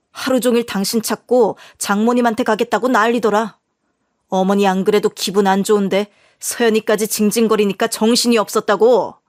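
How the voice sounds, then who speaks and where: A woman's voice: a little high, no echo, studio quality, natural voice. A woman voicing a stubborn, blaming husband in a told story, speaking in a curt, scolding manner. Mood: hushed, irritated. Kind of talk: storytelling dialogue.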